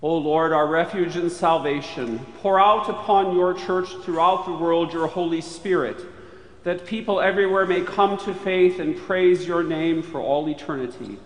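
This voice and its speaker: A man leading formal church prayer with solemn, measured phrasing in a reverberant chapel. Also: fairly high pitch. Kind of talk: formal spoken liturgical prayer. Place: large chapel. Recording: echoey chapel with long reverb.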